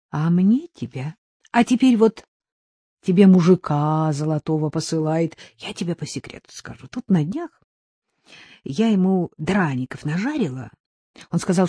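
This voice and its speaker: Woman reading as a folksy old village lady, mellow voice, lively ups and downs, dry close sound. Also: lowish voice, slightly rough, dry recording. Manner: homely, folksy advice. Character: plain-spoken older village woman, kindly.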